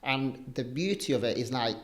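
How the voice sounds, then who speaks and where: A man's voice: medium pitch, normal speed. A young man from Spain, a padel coach, talking casually in an interview with many fillers. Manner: relaxed, chatty, many fillers like "um" and "like".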